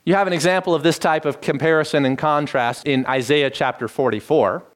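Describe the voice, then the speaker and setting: A middle-aged man preaching, teaching in a measured tone and lifting his voice to stress key phrases. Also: on the high side. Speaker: pastor. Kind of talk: expository sermon.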